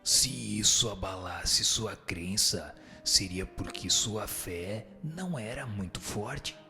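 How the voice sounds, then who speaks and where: Radio drama spirit, played by a man: Brazilian accent, stern moral teacher, unhurried and crisp-edged, solemn delivery. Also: lowish voice, sharp tone, faint music behind, heavily acted. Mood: solemn, admonishing. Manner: solemn, didactic. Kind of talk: scripted radio drama reading of a spiritist text.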